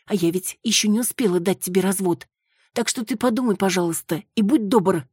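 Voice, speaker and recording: A woman's voice: mid-range voice, brisk, darkish tone, breathy edge, no echo, clean studio sound, voice pushed up, lightly acted. A woman reading an audiobook, voicing a frantic young woman who pleads in a raised, breathless voice. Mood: pleading. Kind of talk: audiobook character voice.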